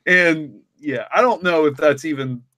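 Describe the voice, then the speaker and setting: A man with a slightly high voice talks casually on a podcast. He explains his thinking in a loose, rambling flow peppered with "you know," and the sound is dry and close. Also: a little slow, bright, forceful tone, no echo. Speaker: story writer and podcast co-creator.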